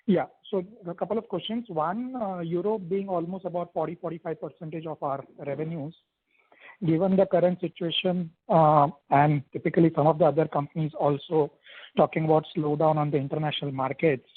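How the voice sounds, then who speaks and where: A man's voice: fairly high pitch, steady tone, a little fast, no room sound. A man, calling in over the phone as an analyst and methodically working through numbered questions on an earnings call. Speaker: analyst caller. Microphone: phone handset. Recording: dry, narrow telephone line.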